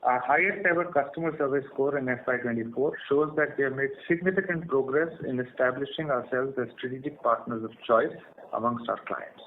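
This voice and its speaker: A man in the role of a company executive, reading a scripted corporate earnings presentation over a thin phone connection. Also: mid-range voice. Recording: tinny phone line with faint noise.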